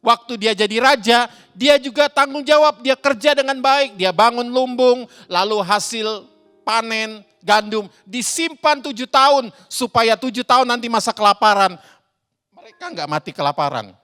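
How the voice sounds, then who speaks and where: A man's voice: very high-pitched, moderate pace, clear, resonant tone. A man telling a Bible story to children as a Sunday school teacher, asking them questions as he goes. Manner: animated, addresses children directly, asks questions. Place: church hall. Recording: roomy church hall with faint music.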